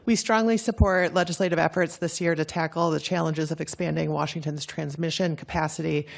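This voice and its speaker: A woman's voice: low-pitched, steady tone, a little fast, creaky. A woman with a Midwestern accent testifying at a legislative hearing, casual and joking, with many fillers. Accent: Midwestern American. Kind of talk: public testimony.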